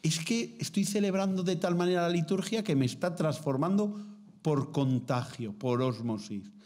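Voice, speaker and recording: Spanish priest giving a lively talk. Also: male voice, on the high side, moderate pace. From Spain. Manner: lively storytelling with acted quotes, frequent "¿mm?" check-ins. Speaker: priest and theology lecturer. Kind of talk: formative talk to contemplative nuns. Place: seminary lecture hall.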